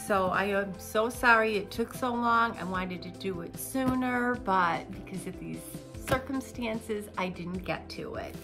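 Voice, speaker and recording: A woman's voice: medium pitch, unhurried, few pauses, over music. An older woman in her sixties, chatting through an unboxing at home, a bit nasal from a cold and rambling with fillers. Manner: chatty, rambling with fillers, seated talking to camera. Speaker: unboxing vlogger. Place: living room at home, indoors.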